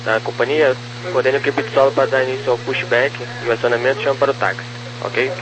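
A man with a Brazilian accent giving clipped air traffic control clearances over aviation radio. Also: mid-range voice, little pitch movement, quick pace. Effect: aviation radio communicator. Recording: noisy, humming aviation radio.

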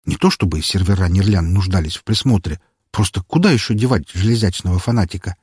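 Low, husky male audiobook narrator. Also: fast, a little mellow, dry recording, clean studio sound. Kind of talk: first-person fiction narration.

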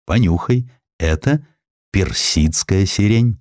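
A man voicing an aging male perfumer, gentle and wistful, speaking in a soft, unhurried, musing way. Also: low-pitched, animated, no room sound, clean studio sound.

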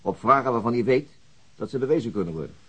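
A man acting a terse, evasive police detective in a radio play, measured and noncommittal. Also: mid-range voice, expressive, pushed and bright, slightly rough, rough recording. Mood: analytical. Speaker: actor in a radio drama. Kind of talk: naturalistic radio play dialogue.

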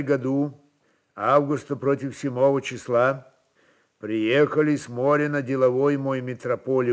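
A man playing a querulous, pious old metropolitan with a plaintive, drawn-out churchly delivery. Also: medium pitch, lightly acted.

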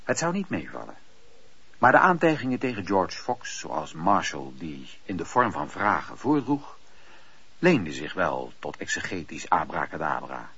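A man with a gravelly, husky voice reading scripted narration for a radio drama. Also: low-pitched, very animated, moderate pace, fairly bright tone, heavily acted. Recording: dry, dull lo-fi radio recording.

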